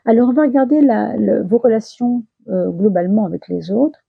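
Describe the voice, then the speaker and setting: A woman's voice: a little high, moderate pace, vocal fry, breathy edge, no echo, narrow, tinny audio. A woman giving a casual monthly tarot reading, hesitant with many fillers and restarts, her voice getting worn and throaty. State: losing her voice, clears throat. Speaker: tarot reader.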